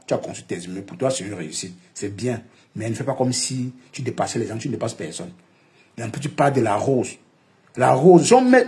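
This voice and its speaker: A man's voice: medium pitch, dark tone. A man, scolding and mocking someone at length in a heated live commentary. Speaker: social media commentator.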